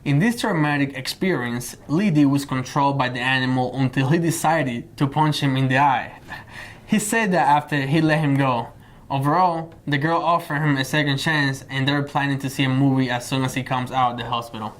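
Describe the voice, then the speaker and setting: A young man born in Cuba, co-hosting a student news show in a joking, relaxed chat and reading news items aloud. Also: mid-range voice, fairly quick. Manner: relaxed, joking, repeats himself.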